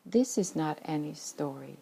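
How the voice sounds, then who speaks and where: Her voice is deep and mellow with vocal fry and a breathy edge, animated yet measured in pace. She is a middle-aged native Swedish speaker from Sweden with a Swedish accent, reading her spiritual memoir earnestly and reflectively, at moments lowering to a whisper.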